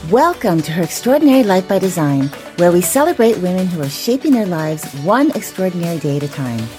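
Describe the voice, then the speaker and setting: A woman's voice: fairly low pitch, big pitch swings, a little fast, dark tone, soft background music. A woman hosting a podcast interview, speaking in an upbeat, welcoming way as a self-care coach.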